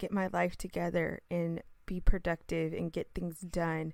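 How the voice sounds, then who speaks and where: A woman speaks quietly at a fairly slow pace. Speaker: podcast host and business coach. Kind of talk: solo podcast monologue. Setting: at home.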